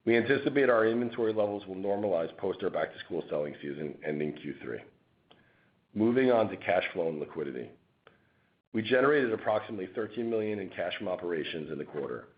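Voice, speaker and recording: Male corporate finance presenter, fairly low voice, formal measured read of a prepared report, muffled lo-fi conference-call sound. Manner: formal, measured reading of figures. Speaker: company finance executive. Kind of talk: scripted earnings-call presentation. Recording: dull, lo-fi conference call audio.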